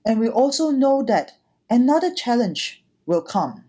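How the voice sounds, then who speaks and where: Slow, mellow-voiced woman giving a Dharma talk. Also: on the high side, very animated. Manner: deliberate, short phrases with pauses, earnest. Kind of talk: sermon, gentle teaching talk.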